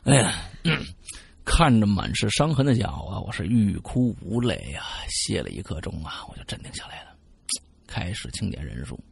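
Gravelly man telling a ghost story. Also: fairly low pitch, moderate pace, no echo. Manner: animated, dramatic storytelling. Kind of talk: casual spoken ghost story.

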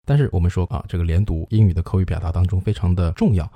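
A man hosting a radio-style English pronunciation lesson, patiently explaining and modeling phrases in slow, drawn-out repetitions. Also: low voice, warm tone, no room sound. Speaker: English teacher and show host.

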